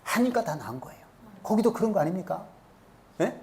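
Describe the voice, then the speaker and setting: Animated male pastor preaching. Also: sits high, fairly quick, slight background noise. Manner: asks the congregation rhetorical questions. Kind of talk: sermon. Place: church sanctuary.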